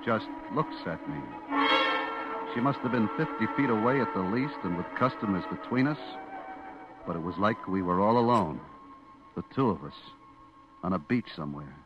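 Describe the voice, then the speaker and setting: A man's voice: fairly low pitch, expressive, moderate pace, pauses often, close to an everyday voice. An actor playing a brash, lovestruck young American supermarket clerk, telling his story confidingly in slangy radio suspense style. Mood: smitten, hushed. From eastern United States. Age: young adult. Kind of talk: 1950s radio suspense acting, first-person narration. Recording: dull vintage radio recording with music.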